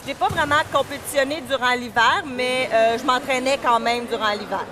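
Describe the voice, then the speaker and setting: High-voiced Québécois woman in her thirties. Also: normal speed, background noise. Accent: Québécois French. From Quebec, Canada. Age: 30s. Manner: hesitant, many fillers and restarts. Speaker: guest, diving club vice-president and coach. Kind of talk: casual interview. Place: indoor pool area.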